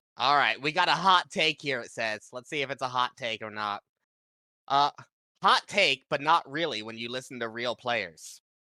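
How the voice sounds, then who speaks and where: With a strong Ohio accent, a man speaks at medium pitch in a bright, sharp tone with big swings in loudness, on a very clean recording with a silent background and a dry, close sound with no echo. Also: ordinary pitch variation, moderate pace. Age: 30s. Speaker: podcast host. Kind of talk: casual chat.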